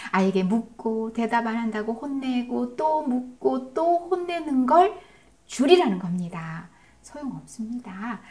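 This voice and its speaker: A woman's voice: a little high, warm tone. Korean woman giving parenting advice. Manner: explanatory, acts out parent and child lines. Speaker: parenting educator.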